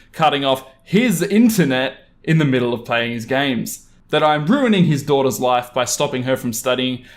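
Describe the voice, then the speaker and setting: A young man from Australia reads online stories as a host, adding casual, animated and exasperated commentary. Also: mid-range voice. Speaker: YouTube host reading Reddit stories. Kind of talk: story reading with casual commentary.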